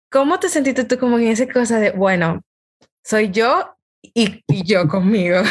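A woman speaks at a fairly slow pace in a fairly high, somewhat breathy voice. Her pitch swings very widely while her loudness stays very even. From Dominican Republic. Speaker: podcast host. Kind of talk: interview.

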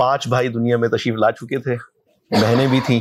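This man has an unremarkable speaking voice. His pitch sits in the medium range. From southern Punjab, Pakistan. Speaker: Islamic scholar and crypto trader. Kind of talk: motivational talk to audience. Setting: room with live student audience.

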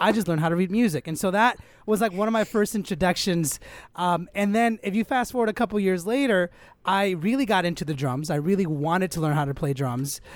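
The speech moves at a very fast pace. Its intonation is lively. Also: man, high pitch for a man. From Los Angeles, California. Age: 20s. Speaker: professional drummer and podcaster. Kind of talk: casual interview chat. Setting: remote call.

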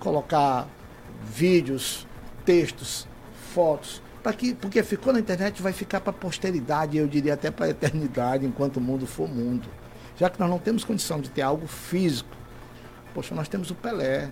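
A man with a fairly high pitch speaks at a moderate pace, his somewhat breathy voice carrying lively intonation and long, frequent pauses. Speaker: singer-songwriter. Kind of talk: radio interview. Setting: studio.

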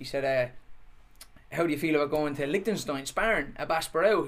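In a Waterford Irish accent, a man speaks at a fairly quick pace in a fairly high pitch with ordinary pitch variation. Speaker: professional boxer. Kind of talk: casual chat.

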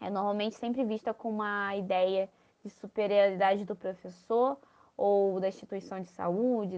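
A woman's plain, everyday voice, medium in pitch, with ordinary pitch variation at a moderate pace. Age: 20s. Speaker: biology graduate, sex education project member. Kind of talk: interview. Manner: formal.

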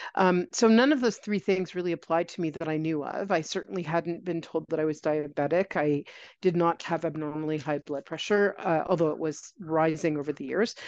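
Over a quiet background, a woman with a Canadian accent talks at a fairly quick pace with hardly any pauses. It is an ordinary speaking voice, fairly low in pitch with ordinary pitch variation. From Hamilton, Ontario, Canada. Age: 50s. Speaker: nurse. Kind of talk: interview.

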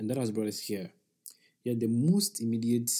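This man speaks with a Ghanaian accent. His tone is dark and mellow. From Ghana, Kumasi. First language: Twi. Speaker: podcast host. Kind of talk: scripted narration. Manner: hesitant, with fillers.

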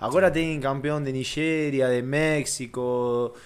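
Speaking in an Argentine accent, a man talks at a very slow pace. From Argentina, La Plata. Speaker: MMA fighter. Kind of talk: casual chat. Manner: mixes Spanish and Portuguese.

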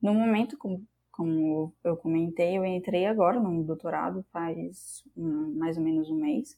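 A woman's fairly low pitch and dark, mellow tone at a fairly slow pace, with ordinary pitch variation, on a very clean recording with a silent background. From Maceió, Alagoas, Brazil. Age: 20s. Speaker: PhD student in computer science. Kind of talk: interview.

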